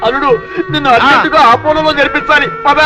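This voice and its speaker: A man's voice: extremely high pitch, fairly even intonation, fast. An actor playing an anxious, pleading father-in-law in a film comedy scene. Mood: fussing. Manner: pleading, fussing, wordplay. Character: fussy anxious father-in-law, middle-aged man.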